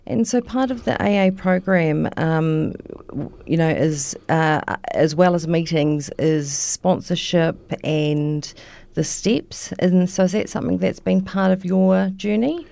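Gravelly low-voiced woman host. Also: a little slow, dry recording. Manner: gentle, encouraging, many soft affirmations. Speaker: radio show host, interviewer. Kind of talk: radio interview.

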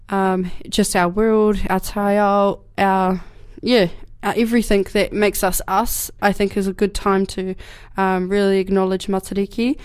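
With a clean, darkish mid-range voice and a New Zealand accent, a young woman hosts a community radio program from the studio while she has a cold. Her solo talk is loose and rambling, full of fillers and restarts, and she laughs often.

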